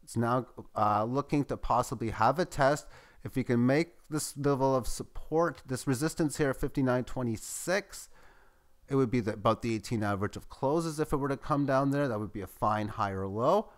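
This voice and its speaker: A man giving live, tick-by-tick commentary on a price chart as the host of his channel, growing excitable at key moments. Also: moderate pace. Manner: running play-by-play, excitable at highs. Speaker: market chart analyst.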